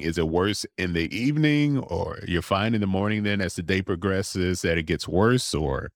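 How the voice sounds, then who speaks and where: A man with a very low, deep voice talks through his clinical work at a steady, explanatory pace. He now and then slips into quoting his patients. The sound is dry and close, with no room around it. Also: no room sound. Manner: measured, explanatory, acts out patient quotes. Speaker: voice specialist clinician. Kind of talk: interview answers, explanatory.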